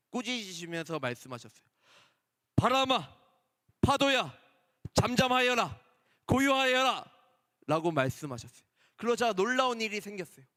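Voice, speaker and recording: A man preaching a children's Sunday sermon in a church. He speaks gently, repeats key points and asks the children questions. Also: high-pitched, no room sound, clean studio sound, in a large hall. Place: church worship hall.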